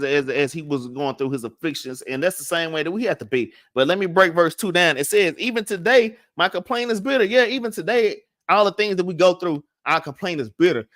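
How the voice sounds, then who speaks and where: Southern guy teaching scripture, stutters n restarts, kinda higher voice, dry close mic. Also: a bit bright, no room sound. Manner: casual, says "man" and "all right?" constantly. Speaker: bible class teacher. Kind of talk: casual scripture lesson.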